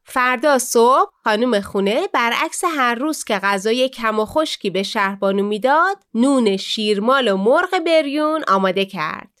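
A woman narrating a children's story in Persian, lively and acting out the characters' voices. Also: on the high side, few pauses.

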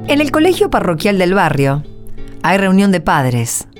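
A woman's voice: on the low side, very animated, measured pace, soft background music. A woman reading scripted narration for a radio drama.

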